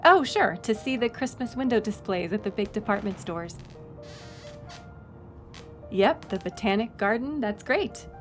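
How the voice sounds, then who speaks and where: A woman's voice: mid-range voice, expressive, unhurried, pauses often, natural voice. Woman acting as a friendly young lady tour guide, chatty n upbeat, casual roleplay talk, music behind her. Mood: curious, enthused. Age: young adult. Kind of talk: audio roleplay, one-sided conversation with listener.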